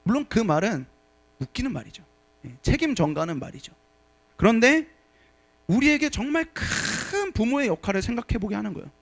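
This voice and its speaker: A man preaching a sermon as pastor, moving between calm scripture reading and forceful exhortation. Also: very high voice, fairly quick. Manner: animated, shifts from quiet reading to shouted exhortation. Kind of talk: sermon to a young adult congregation.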